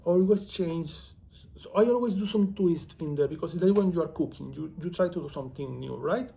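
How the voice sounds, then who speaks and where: Venezuelan-accented man, gravelly and mellow. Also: on the high side, brisk. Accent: Venezuelan Spanish. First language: Spanish. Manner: chatty, digressive, self-deprecating. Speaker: author and vlogger. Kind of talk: casual chat to camera.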